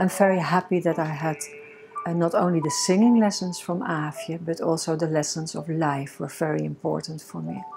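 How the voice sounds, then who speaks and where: Over clear background music, a woman with a fairly low voice talks at a moderate pace with ordinary pitch variation. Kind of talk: interview answer. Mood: warm, enthusiastic. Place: bar.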